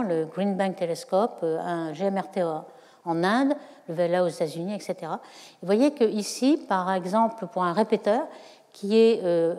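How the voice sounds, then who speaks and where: A woman's voice: medium pitch, dark tone. A woman giving a university lecture, explaining step by step with frequent hesitations. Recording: lecture hall reverb.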